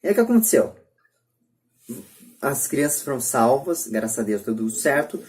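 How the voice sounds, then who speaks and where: A man's voice: medium pitch, very animated, moderate pace, darkish tone. Emphatic Brazilian man hosting a podcast. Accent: Brazilian Portuguese. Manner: emphatic, repetitive, rhetorical questions. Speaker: podcast host. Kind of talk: opinionated podcast monologue.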